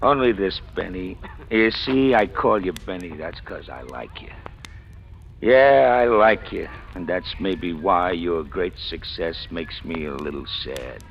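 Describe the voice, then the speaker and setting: An actor playing a weary, sardonic, underpaid small-time hood with slangy talk, in old radio noir style. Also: male voice, sits low, lively intonation, measured pace, creaky, exaggerated voice. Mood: wary, wistful. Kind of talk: 1940s-50s radio noir acting. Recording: muffled old radio recording, music behind.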